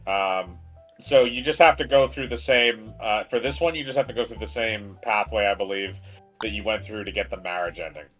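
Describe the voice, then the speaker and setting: A man co-hosting a game stream, casually explaining in a halting way which choices to make. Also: on the low side, fairly bright tone, low-quality recording. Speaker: gaming co-host guiding the player. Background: game music.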